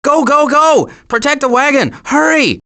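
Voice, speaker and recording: A man voicing a cautious, exasperated turtle in an animated video game, fretful and given to wry grumbling. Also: very high voice, unhurried, exaggerated voice. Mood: alarmed, urgent. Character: anxious, cautious male cartoon turtle, exasperated worrier.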